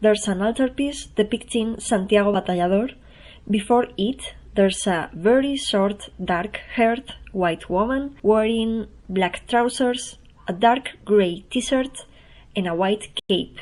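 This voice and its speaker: A woman with a Spanish accent talks at a fairly high pitch with ordinary pitch variation. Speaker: poet and performance artist, newsletter podcaster. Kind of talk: reading aloud own newsletter.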